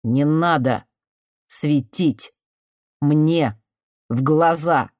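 A woman reading an audiobook voices a desperate young man who answers with bitter sarcasm and often breaks into shouting. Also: low-pitched, drawn-out words, dry recording, clean studio sound. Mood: defensive.

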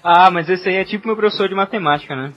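High-voiced Brazilian man telling stories. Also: quick pace, faint music behind. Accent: Brazilian Portuguese. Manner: animated, laughing storyteller with loose slang. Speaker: podcast co-host. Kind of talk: casual chat. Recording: slightly muffled podcast audio.

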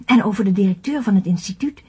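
A devoted young musician in a radio drama. Her voice is very breathy and mellow. She speaks with earnest, reverent gratitude. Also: medium pitch, expressive, quick pace. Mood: earnest, grateful. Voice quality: breathy, soft. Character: grateful, devoted, earnest blind female concert musician. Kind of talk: radio play acting.

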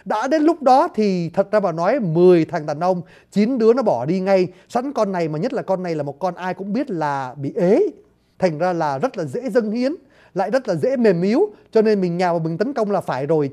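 Storyteller, play commentary, chatty, joking, talks to listeners, mellow tone. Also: mid-range voice. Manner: chatty, jokey, addresses listeners directly. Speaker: storyteller explaining a stage play. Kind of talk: lively spoken commentary to listeners.

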